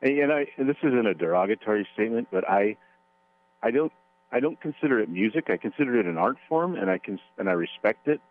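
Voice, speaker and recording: A man, a concert promoter guesting on a radio show, speaking in an earnest, measured way. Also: lowish voice, lively intonation. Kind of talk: casual radio interview. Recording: tinny phone-like radio audio with hum.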